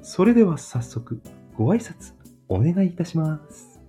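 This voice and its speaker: A woman's voice: sits low, big pitch swings, measured pace, dark tone, faint music behind. A woman hosting a friendly, chatty interview and putting questions to her guest. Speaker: interviewer and show host.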